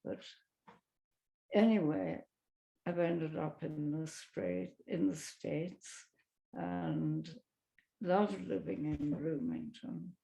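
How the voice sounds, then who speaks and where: Slow, gravelly older South African woman. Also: low-pitched, fairly even intonation, mellow, low-quality recording. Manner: slow, reflective storytelling with pauses. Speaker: interview guest. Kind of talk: life story in conversation. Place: home living room. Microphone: webcam on a video call.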